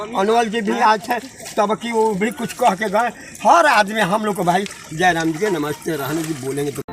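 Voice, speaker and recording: With music in the background, a man talks at a moderate pace in a high voice with lively intonation. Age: 70s. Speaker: local villager. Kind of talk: street interview.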